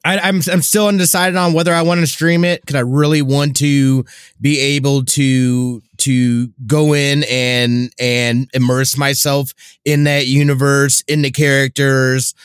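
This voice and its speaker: A man's voice: mid-range voice, flat delivery, unhurried, smooth, dry recording, studio quality. A man co-hosting a podcast in casual, informal chat. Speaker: podcast co-host.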